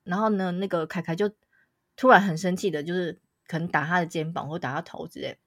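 A young adult woman telling a story on a podcast, animated and laughing often, acting out what people said. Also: on the low side, fast talker, no echo, studio quality. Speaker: podcast co-host. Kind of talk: casual chat, storytelling.

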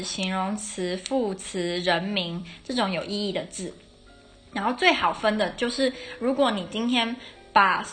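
A young woman chats through a solo podcast episode, correcting herself as she goes and laughing here and there. Her voice sits at a middling pitch, with soft music faint behind her. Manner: chatty, self-correcting, laughs now and then. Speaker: podcast host. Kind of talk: casual solo podcast chat about her classes.

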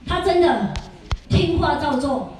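High-voiced chatty woman lecturing. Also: takes it slowly, a little hiss or hum. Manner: animated, chatty, laughs often, asks the audience questions. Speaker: skincare sales consultant giving a seminar. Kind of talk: lively storytelling lecture. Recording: very echoey room from far off.

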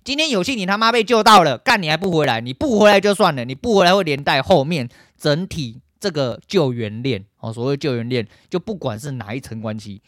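A man's voice: mid-range voice, expressive, fairly quick, hardly any pauses, no echo, studio quality. A man with a Taiwanese Mandarin accent hosting a solo podcast, ranting angrily and swearing constantly. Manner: angry, profane ranting. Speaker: podcast host.

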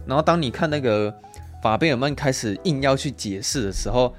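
A man's voice: medium pitch, expressive, a little fast, soft background music. A man, co-hosting a casual film chat, laughing often, swearing now and then and acting out quotes. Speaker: podcast co-host.

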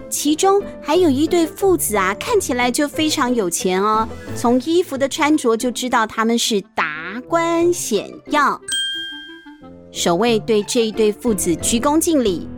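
A woman narrating a children's storybook in a chatty way, stopping to explain things. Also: a little high. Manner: chatty, explanatory asides with sentence-final particles. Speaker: storyteller, host. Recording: faint music behind the voice.

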